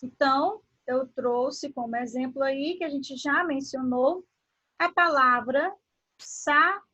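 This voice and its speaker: A woman teacher from Brazil, giving a grammar lesson. She draws words out slowly and asks the class questions as she explains. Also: high-pitched, pushed and bright, lo-fi sound. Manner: slow, drawn-out word pronunciation with questions to the class.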